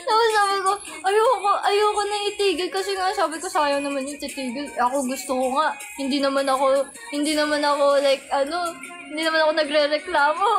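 High-voiced young woman chatting on a livestream. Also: fairly quick, fairly bright tone. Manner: chatty storytelling, giggles often, mimics voices in quotes. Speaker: livestream host. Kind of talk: casual livestream chat. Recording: music playing in the background. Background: background music.

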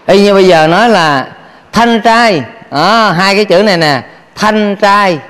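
A man's voice: high-pitched, unhurried, a bit bright, long reverb tail. A man, a Buddhist monk giving a playful dharma talk, questioning his audience and laughing often. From Vietnam.

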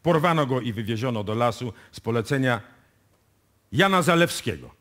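An actor playing a shrewd, self-assured police inspector in a radio play, explaining deliberately and with authority. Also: male voice, mid-range voice, expressive, a bit bright, lightly acted. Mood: sly, assured. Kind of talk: live radio play acting.

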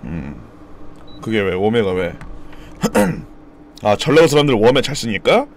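Young male streamer, casual and animated, bursts into mock dialect shouts, faint background noise. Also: fairly low pitch, unhurried. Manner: playful, mimics regional dialect words loudly. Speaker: live streamer. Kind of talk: casual stream chat, reading viewer comments.

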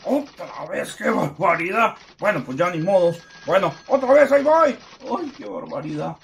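A worn-out, grumbling cartoon dad, put on by a woman who pushes her voice way down. He talks, sighing and muttering exclamations, and his pitch still swings about in a lively way. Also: normal speed, creaky, a little hiss or hum. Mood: weary grumbling. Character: weary middle-aged father and office worker, grumbling but kindly. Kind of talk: animated cartoon skit.

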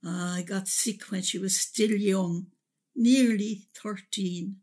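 Radio drama role: older Irish mother played by a woman, reflective and resilient storyteller, slow delivery, breathy husky voice. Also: mid-range voice, fairly even intonation, darkish tone. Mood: grave recollection. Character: older Irish mother recalling wartime hardship, wistful and resilient.

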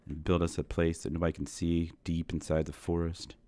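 A man's voice: deep voice, level tone, fairly quick, dark tone, no room sound. A man in his thirties, a bit sick and losing his voice, rambling casually to viewers while playing a Minecraft game. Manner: rambling, self-deprecating, talks to viewers. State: sick, voice going hoarse. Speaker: gaming channel host. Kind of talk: casual Minecraft let's play commentary.

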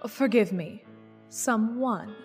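A high-voiced villainess played by an actress in an audio drama, condescending and in command with polished, mocking courtesy. Her voice rings in a long reverb over faint music. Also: slow, a little mellow. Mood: mock-courteous.

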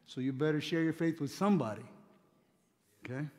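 A man's voice: on the high side, a little fast, a little mellow. A middle-aged man preaching a sermon in a conversational, earnest way, often restarting his words, on a church stage. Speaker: pastor. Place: church stage with communion table. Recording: long hall reverb.

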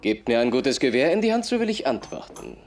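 Cast a proud young newcomer in a radio play. He speaks politely but stiffly, and his lively voice jumps up and down in pitch. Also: brisk, slight background noise. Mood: offended. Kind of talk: German radio play acting.

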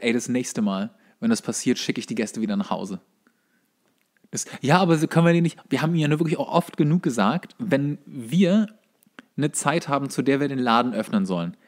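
A young man, co-hosting a podcast and telling anecdotes in a casual, chatty way. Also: mid-range voice. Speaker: podcast co-host.

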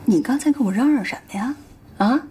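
An actress playing a sharp-tongued, bossy wife in a TV drama, scolding curtly. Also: female voice, a little high, lively intonation, a little fast, slight background noise, natural voice. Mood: suspicious. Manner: scolding, curt. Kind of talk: TV drama acting.

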